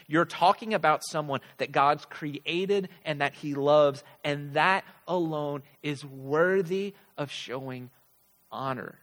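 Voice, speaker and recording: A man's voice: fairly high pitch, slow, fairly bright tone. A man preaching a conversational sermon, emphatically repeating his key phrases for effect. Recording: large hall with long reverb.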